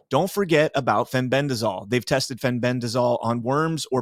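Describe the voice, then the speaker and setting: In an ordinary speaking voice, a man talks at a medium pitch and a fairly quick pace, with a dry, close sound and no echo. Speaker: podcast host. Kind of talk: casual chat.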